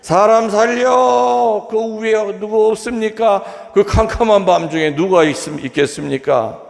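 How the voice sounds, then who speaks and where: A man playing a panicked middle-aged church council president, pleading and shouting frantically. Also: high-pitched, expressive, normal speed, gravelly, pitched above the performer's own voice. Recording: long reverb of a large hall.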